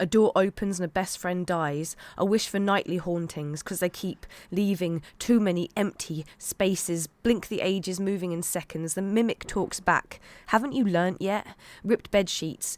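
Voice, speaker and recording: A woman with a British accent speaks with fairly even intonation. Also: medium pitch for a woman, moderate pace. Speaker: streamer and poet. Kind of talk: poetry reading; casual live stream chat. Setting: home studio, live stream. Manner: halting, restarts lines.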